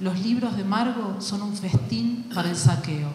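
A woman at a fairly slow pace with ordinary pitch variation, audible room echo and light background noise. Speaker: panelist, actress. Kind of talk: prepared reading at a panel talk. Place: hall. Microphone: podium.

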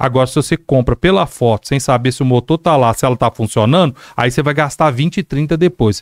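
A man speaks at a moderate pace with a Minas Gerais accent and ordinary pitch variation. The sound is dry with no echo, over a quiet background. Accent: mineiro Brazilian Portuguese. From Minas Gerais, Brazil (João Monlevade); Minas Gerais, Brazil. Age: 40s. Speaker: auction reseller and course creator; auction reseller, course creator. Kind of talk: interview. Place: studio. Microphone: studio mic.

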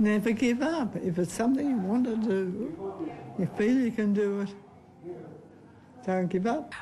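A woman with an Australian accent speaks fairly slowly with lively intonation, very even loudness and long, frequent pauses, over light background noise. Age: 70s. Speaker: retired Olympic sprinter. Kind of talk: interview answer. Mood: earnest, encouraging. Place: home room.

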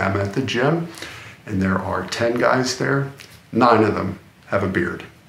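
A man's fairly slow speech amid light background noise and audible room echo. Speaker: grooming brand host. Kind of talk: casual vlog chat. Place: home room.

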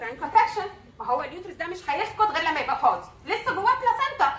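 Very fast speech from a woman with very wide pitch swings, audible room echo and light background noise. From Egypt. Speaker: medical lecturer. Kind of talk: lecture. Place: classroom. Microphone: microphone problem.

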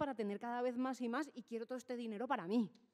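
A woman's high-pitched voice with fairly even intonation against a quiet background. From Colombia (Medellín); Colombia. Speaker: enneagram teacher. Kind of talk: interview. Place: studio. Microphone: studio mic.

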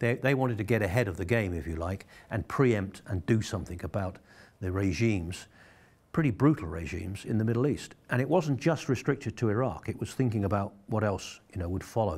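In a British accent, the speaker moves at a fairly quick pace with lively intonation and a somewhat breathy sound. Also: man, fairly low pitch for a man. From England. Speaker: retired army general; interview guest. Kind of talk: interview. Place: studio.

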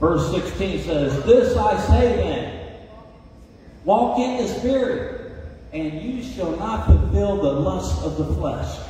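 Strong room echo with light background noise. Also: man. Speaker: pastor. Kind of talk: sermon. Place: stage. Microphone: camera far.

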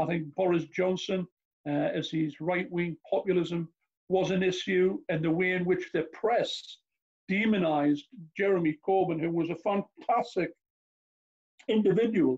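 Over a quiet background, a man with a North East England accent speaks at a fairly slow pace and high pitch, with ordinary pitch variation and long, frequent pauses. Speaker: politician. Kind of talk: interview answer. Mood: passionate, indignant. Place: home room. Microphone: webcam.

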